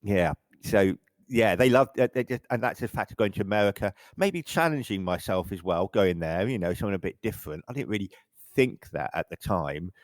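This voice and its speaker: A man's voice: lowish voice, lively intonation, brisk, no echo. A middle-aged English man, a photographer, chatting casually in an interview and often restarting his sentences. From England. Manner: rambling, self-correcting, frequent stammered restarts. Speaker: photographer guest.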